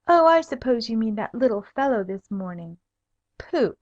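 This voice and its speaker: A woman's voice: fairly high pitch, sing-song, normal speed, a little mellow. A woman voicing a sly, pert young noblewoman, a coaxing daughter in a humorous storybook tale. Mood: pert, haughty. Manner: girlish, coaxing, haughty when teased. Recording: dull lo-fi audiobook recording.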